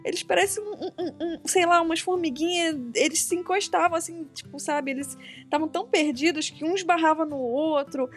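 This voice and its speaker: A woman's voice: very high-pitched, steady tone, a little fast, faint music behind. A young woman co-hosting a book chat, telling stories animatedly and laughing often. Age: young adult. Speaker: podcast co-host discussing a book. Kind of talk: casual chat.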